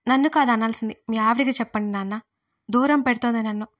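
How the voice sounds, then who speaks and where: A woman's voice: a little high, quick pace, close to an everyday voice. A woman voicing a hurt, demanding adult daughter who confronts her parents in an audiobook family drama. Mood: reproachful. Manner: reproachful, emotional. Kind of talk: audiobook role reading.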